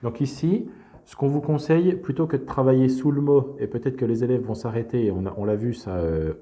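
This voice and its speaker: A man calmly walking teachers through a classroom exercise, explaining step by step with frequent verbal fillers. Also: fairly low pitch, lo-fi sound. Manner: calm explanatory, frequent "donc" and "hein". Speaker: teacher presenting a reading method. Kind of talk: instructional screencast walkthrough.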